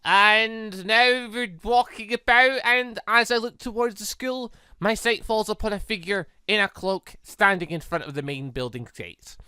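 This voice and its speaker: A gaming video host doing rambling let's play commentary and reading a visual novel aloud, in an animated way. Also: medium pitch, clear, resonant tone, no room sound. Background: game music.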